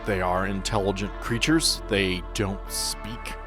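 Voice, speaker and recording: A man's voice: sits low, fairly even intonation, a little slow, music in the background. A man acting as game master, describing and explaining a tabletop game scene in an improvised way.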